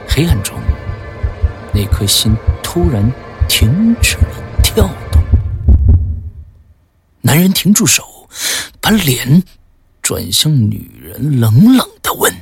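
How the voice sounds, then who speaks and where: A man narrates a suspenseful story slowly, drawing out each phrase. His pitch rises and falls expressively, and his voice often drops to a hush, with faint music underneath. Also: very animated, creaky. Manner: slow, hushed, suspenseful.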